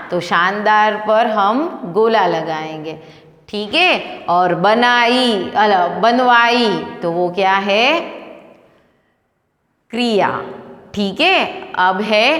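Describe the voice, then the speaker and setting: A woman's voice: a little high, fairly bright tone. A woman teaching a primary school Hindi class, patiently asking questions and answering them herself. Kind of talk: recorded online class lesson. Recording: echoey room with long reverb.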